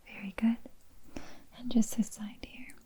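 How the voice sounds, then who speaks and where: A woman playing a gentle, reassuring doctor in an ASMR exam roleplay, speaking slowly in a breathy whisper. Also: on the high side, flat delivery, natural voice. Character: gentle, soothing female doctor examining a patient.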